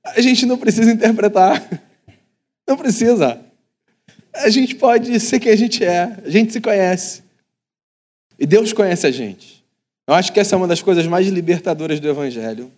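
A man in his thirties from Brazil, preaching a sermon and telling a family story with animated delivery. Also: high-pitched, normal speed, long pauses. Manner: animated storytelling, acts out voices. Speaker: pastor.

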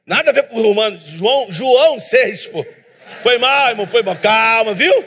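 A man preaching a sermon in a church, emphatic and animated, with self-deprecating humor. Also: sits high, slightly rough.

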